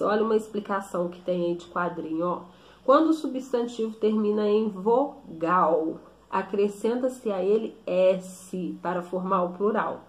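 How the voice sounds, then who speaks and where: A woman teacher explaining a grammar lesson slowly, often stopping to check with her students. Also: medium pitch. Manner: slow, explanatory, with frequent check-in questions. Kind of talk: recorded classroom lesson. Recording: echoey room.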